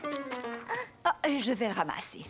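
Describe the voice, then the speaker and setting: A woman's voice: medium pitch, lively intonation, a little slow, faint music behind, natural voice. A woman voicing an affectionate, cheerful cartoon grandmother with a tender, reassuring manner. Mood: fondly amused. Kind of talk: French-language children's cartoon dub.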